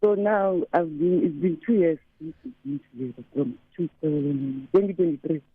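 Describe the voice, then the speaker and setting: A woman in her thirties with a deep voice, calling a radio show and mixing English with Zulu. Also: normal speed, breathy edge, no room sound. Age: 30s. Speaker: caller. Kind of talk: phone-in call to a radio show. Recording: tinny phone line, dry.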